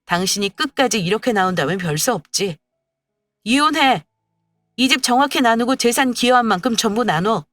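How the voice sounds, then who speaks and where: Woman voicing young wife, indignant, scolding, radio story drama, soft music behind. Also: on the high side, lively intonation, moderate pace, no room sound, pitched above the performer's own voice. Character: angry young wife, sharp-tongued scolder.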